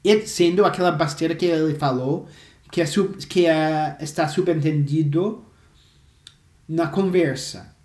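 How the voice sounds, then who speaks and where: A native English-speaking man teaches a language lesson, drilling each example phrase over and over at an unhurried pace. His voice sits fairly high for a man. The room has a noticeable echo. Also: a little mellow. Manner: slow, emphatic, repeats example phrases for drill. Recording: echoey room.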